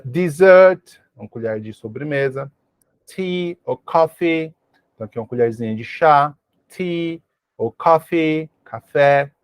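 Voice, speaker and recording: A man from Brazil teaches restaurant English vocabulary in a video lesson. His voice sits a little high, and he repeats each word slowly and keeps asking "ok?". The sound is close and dry, with no room around it. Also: dry recording. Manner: repeats words slowly for practice, frequent "ok?".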